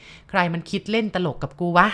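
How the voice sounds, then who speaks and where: Woman voicing a shouting temple boy. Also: a little fast, close to an everyday voice. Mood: angry shouting. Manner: coarse, rough shouting. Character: angry young male temple boy shouting.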